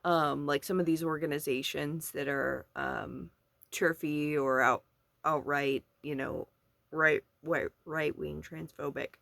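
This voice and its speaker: A woman's voice: low voice, steady tone, slow, gravelly, fairly bright tone, no room sound. Casual, rambling young woman, dry sound. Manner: informal, rambling, blunt with casual swearing. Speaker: book reviewer video creator. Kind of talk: casual book commentary to camera.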